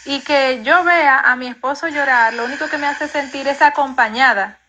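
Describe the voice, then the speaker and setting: A woman therapist calmly explaining emotions and grief in an interview, in a reassuring, explanatory way. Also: high voice, normal speed, slight background noise.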